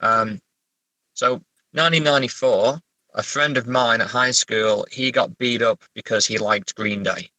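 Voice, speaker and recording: A man from England chatting casually as an interview guest, halting and self-correcting, with a wry way of telling stories. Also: mid-range voice, sharp tone, dry recording, low-quality recording. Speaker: horror novelist and therapist guest. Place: sitting in a parked car.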